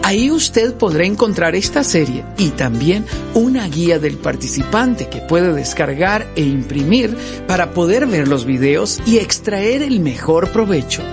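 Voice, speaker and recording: A man presenting a Christian family program, telling a testimony with earnest, animated storytelling and direct asides to the listener. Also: high voice, measured pace, creaky, over music.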